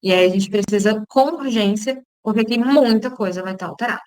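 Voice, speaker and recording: A woman's voice: medium pitch, fairly quick, a little mellow, dry recording. A woman who is a speech therapist, explaining in an informal online lecture and checking in often with listeners, with a Brazilian Portuguese accent. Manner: casual, explanatory, frequent "tá?" check-ins.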